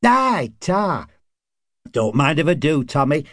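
A man's voice: fairly high pitch, sing-song, takes it slowly, fairly bright tone, dry recording, clean studio sound, pitched above the performer's own voice, full character voice. A man voicing an easygoing working-class male drinking pal in an audiobook, in jaunty, sweary, colloquial speech. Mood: jovial. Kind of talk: audiobook character acting.

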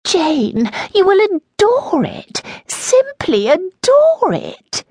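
A woman's voice: very high voice, wildly swooping pitch, very slow, a little mellow, no room sound, clean studio sound, voice pushed up, exaggerated voice. A woman voicing an effusive older society lady who talks in gushing exclamations. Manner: gushing, exclamatory, breathless enthusiasm.

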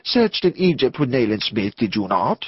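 A man voicing a nervous, excitable clergyman in an audiobook, hesitant and emphatic, in a slightly dull recording. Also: medium pitch, normal speed, slightly rough, no room sound. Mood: diffident. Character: nervous, excitable clergyman with truculent fierce energy. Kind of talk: audiobook character acting.

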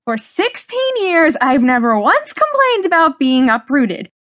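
Woman acting upset teenage girl, high-pitched. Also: animated, a little slow, mellow, dry recording, studio quality. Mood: yelling, anguished. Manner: emotional, emphatic. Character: upset sixteen-year-old girl, hurt and protesting. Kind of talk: audiobook character dialogue.

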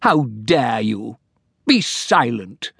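A man's voice: mid-range voice, very animated, extremely slow, a bit bright, slightly rough, no echo, studio quality, heavily acted. A man doing a sneering, harsh councillor. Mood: scornful. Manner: sneering, commanding. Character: harsh stern male chief councillor, cold bully.

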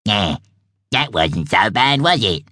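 A man's voice: lowish voice, big pitch swings, slow, pushed and bright, no echo, studio quality, heavily acted. A man voicing a small, fat, chatty male warthog who acts like a know-it-all. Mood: chirpy.

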